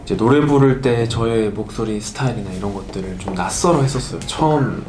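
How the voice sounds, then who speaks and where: A man's voice: on the low side, rapid-fire, reverberant, background noise. A young man in casual chat who speaks earnestly and reflectively. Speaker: K-pop idol.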